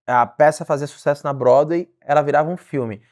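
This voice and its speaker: Quick-talking guy on a chat show, rattles off examples. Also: on the high side, a little mellow. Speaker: co-host. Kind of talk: casual interview chat.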